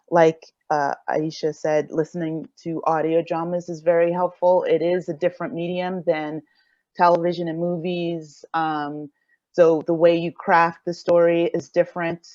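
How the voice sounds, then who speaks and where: A woman's voice: low voice, darkish tone, no echo, dull audio. A middle-aged woman speaking as a creator on a casual panel, rambling and thinking aloud hesitantly. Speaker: audio drama creator on a panel.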